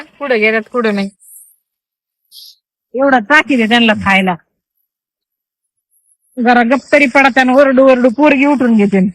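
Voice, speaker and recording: A young farm housewife who vlogs talks to herself during chores in a rural farmyard with goats, grumbling and scolding the animals in a rural Marathi accent. Her voice is fairly high and a bit bright, with no echo but poor audio.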